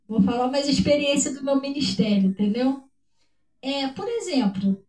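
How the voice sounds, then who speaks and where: A woman's voice: on the high side, a little mellow. A woman with a Brazilian Portuguese accent, speaking in a casual podcast chat about faith in a preacherly way, repeating her words. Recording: echoey room, voice from a distance.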